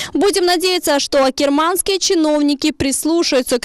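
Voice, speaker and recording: A woman at a moderate pace, dry and close with no echo, over noticeable background noise. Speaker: TV reporter. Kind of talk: scripted narration.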